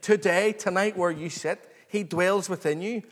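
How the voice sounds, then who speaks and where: Guy preaching a sermon, pretty high voice, earnest and excited, repeats phrases for emphasis, big echoey hall. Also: measured pace. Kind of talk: expository sermon to a congregation. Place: large reverberant room, live before a congregation. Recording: long hall reverb.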